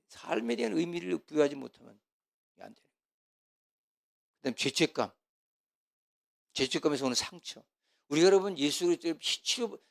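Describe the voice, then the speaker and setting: A middle-aged man teaching as a pastor in a casual, chatty way, with asides, and acting out quarrels in a loud voice. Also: on the high side, creaky. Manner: chatty, asides and laughs, acts out quarrels loudly. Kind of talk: casual church teaching talk.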